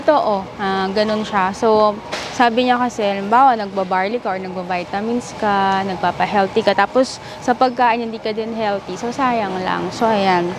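Young female vlogger, casual and chatty, mid pitch, filmed at arm's length in a busy store. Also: steady tone, normal speed. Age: young adult. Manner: chatty, reads out prices and product names. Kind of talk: casual vlog narration while shopping. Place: large air-conditioned supermarket. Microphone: handheld camera at arm's length. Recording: noisy store ambience.

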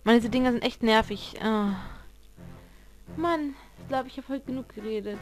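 A woman talks through her game in a loose, chatty way and swears at it when it annoys her. Her voice sits fairly high. Faint game music plays behind her. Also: normal speed, rough recording. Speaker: let's player. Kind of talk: casual gameplay commentary.

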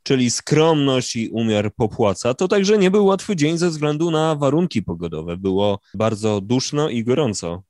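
A man's voice: medium pitch, very animated, normal speed, few pauses, a little mellow, dry recording. Dry-sounding male podcast host. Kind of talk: interviewer questions.

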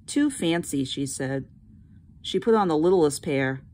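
A woman with a low voice reads a children's picture book aloud for her students. Her narration is expressive and steady, made for young listeners at home. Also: a little slow. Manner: expressive reading. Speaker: teacher reading aloud. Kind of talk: storybook read-aloud.

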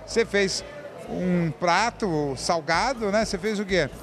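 A man's voice: sits high, measured pace, a crowd in the background. A man with a Brazilian Portuguese accent, hosting and interviewing guests at a party with a handheld mic, full of compliments. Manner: enthusiastic, complimentary. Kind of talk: upbeat event interview. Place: crowded evening party venue.

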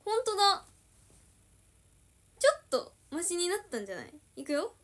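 A woman's voice: high voice, wildly swooping pitch, fast talker. A young woman idol chatting casually on a livestream, reading and answering viewer comments.

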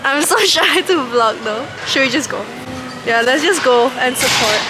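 A woman's voice: high voice, animated, normal speed. A young woman from Malaysia chatting casually and giggling as she vlogs with a handheld camera. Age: young adult. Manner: giggly, chatty, often whispers at night. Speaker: vlogger. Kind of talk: casual vlog chat. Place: outdoors in snow and campus halls. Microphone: handheld camera at arm's length. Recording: noisy outdoor camera audio.

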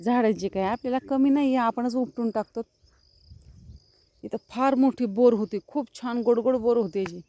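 A woman's voice: on the high side, moderate pace, warm tone. A woman vlogger, chatting casually as she walks around her farm showing trees and cattle. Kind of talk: casual walk-around vlog narration. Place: outdoors on a rural farm among trees and cattle.

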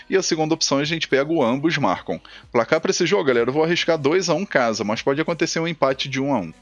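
Fast-talking Brazilian man giving football tips. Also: medium pitch, no room sound, highs cut off. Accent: Brazilian Portuguese. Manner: chatty, frequent "né?" and "tá, galera?" tags. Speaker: football betting tipster. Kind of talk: casual commentary over screen share.

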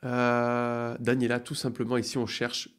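A middle-aged man leads a live online grammar lesson from a small room at his desk webcam. He speaks in an unhurried, deliberate way, stretching out each example sentence. His pitch sits in a plain middle range, and he keeps up bright, encouraging praise. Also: completely flat delivery, clear, resonant tone. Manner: slow, deliberate, drawn-out delivery of example sentences; upbeat praise, playful sound effects. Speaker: French teacher.

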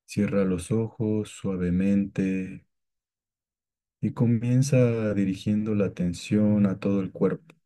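A man guiding a meditation with calm, gentle, scripted instructions and long pauses between phrases. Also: fairly low pitch. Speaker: meditation guide.

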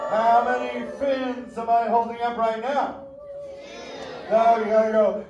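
A man's voice: extremely high pitch, little pitch movement, a little slow, dull audio. A man voicing a laid-back male surfer sea turtle who drawls "dude" and "man" through a live show. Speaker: live show performer talking with an audience. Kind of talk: live interactive theme show. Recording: roomy, distant mic, ambient noise.

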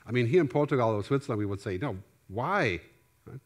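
Speaking fairly quickly in a mid-range voice with lively intonation, a middle-aged man with a German accent presents a relaxed conference keynote from a big theater stage via headset mic. He gestures widely and repeatedly checks in with listeners by asking "right?".

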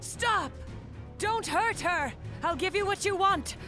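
A woman's voice: extremely high pitch, lively intonation, slow pace, sharp tone, full character voice. A woman voicing a bossy, exasperated griffin leader in a comic dub, curt and scolding. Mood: tense. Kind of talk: amateur animated comic dub acting. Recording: music behind the voice. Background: music.

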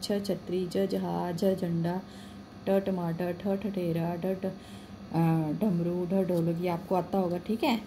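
A woman's voice: medium pitch, dark tone, slight background noise. A woman teacher patiently explaining a school lesson to young children, often asking them questions and repeating herself. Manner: patient, repeats "ठीक है" and asks the class questions.

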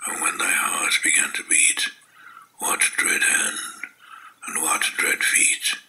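A man giving a dramatic poetry recitation, solemn and measured, with weighty pauses. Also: pushed and bright, whispered.

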